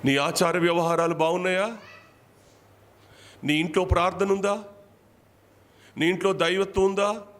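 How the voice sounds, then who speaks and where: High-voiced preaching man, fiery. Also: steady tone, a little slow, pauses often, fairly bright tone. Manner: fiery, hammering rhetorical questions at the congregation; repeats phrases for emphasis. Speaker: pastor. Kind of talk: Telugu church sermon.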